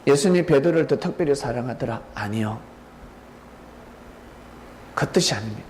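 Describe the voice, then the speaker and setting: A male pastor giving a dramatic storytelling sermon, pausing to quiz listeners by name. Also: medium pitch, expressive, darkish tone, a little hiss or hum. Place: church sanctuary.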